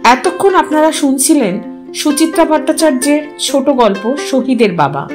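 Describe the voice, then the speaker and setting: A woman's voice: high-pitched, animated, moderate pace, music in the background. A woman storyteller reading a scripted literary audio story expressively. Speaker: storyteller, channel narrator.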